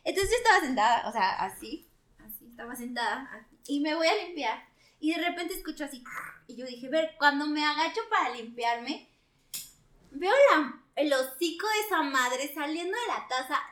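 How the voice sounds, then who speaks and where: A young Mexican woman with a high, bright voice tells gross-out stories in casual chat. She is animated, laughs easily and breaks into exclamations. The room sounds noticeably echoey. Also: fairly quick.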